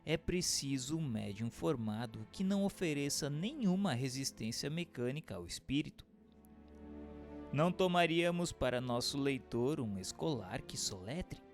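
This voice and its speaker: A man with a Brazilian accent reading scripted narration in a formal, didactic way. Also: mid-range voice. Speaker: narrator and questioner. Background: music.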